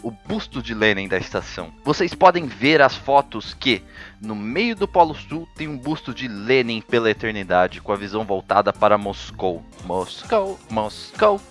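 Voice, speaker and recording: Man, history host, scripted narration, ironic asides, animated pitch, faint background music. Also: moderate pace.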